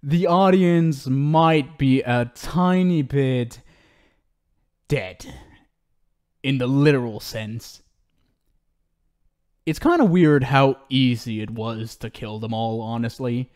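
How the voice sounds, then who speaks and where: A man's voice: medium pitch, slow, pauses often, a little mellow, close to an everyday voice. A man playing an obsessive, unhinged talk show host in an ASMR roleplay, cooing and theatrical, syrupy and menacing. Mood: gloating, calm. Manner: cooing, theatrical, swinging between sweet pet names and pleading. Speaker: audio roleplay performer.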